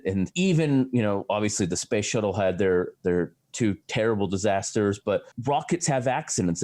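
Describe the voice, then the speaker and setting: Low-voiced American man explaining science. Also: darkish tone. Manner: chatty, many restarts and fillers. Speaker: astrophysicist co-host. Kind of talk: casual science chat.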